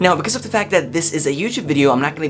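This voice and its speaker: A man speaks with a Turkish accent over noticeable background noise. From Turkey. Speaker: YouTuber and language learning teacher. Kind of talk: casual vlog tutorial. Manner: casual, filler-heavy.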